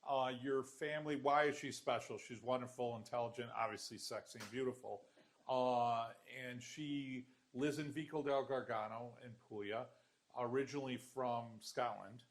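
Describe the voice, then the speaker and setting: A man's voice: medium pitch, moderate pace. Guy hosting a cooking vid in his kitchen, casual chat, kinda teasing, normal mid voice. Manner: teasing banter with his guest. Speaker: cooking show host. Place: home-style kitchen.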